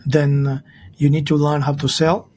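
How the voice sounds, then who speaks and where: A man's voice: a little high, flat delivery, measured pace, darkish tone, a little hiss or hum. A man, earnestly telling his story as an interview guest. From India. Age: 30s. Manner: earnest, storytelling, often ends with "right?". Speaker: guest, financial advisor. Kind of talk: casual interview talk.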